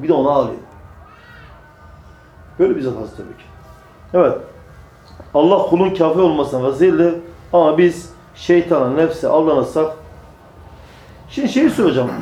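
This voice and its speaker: A religious preacher with a fairly high, mellow voice talks to a small group, emphatic and repetitive, answering the rhetorical questions he raises. The rough recording is reverberant, with a little hiss or hum.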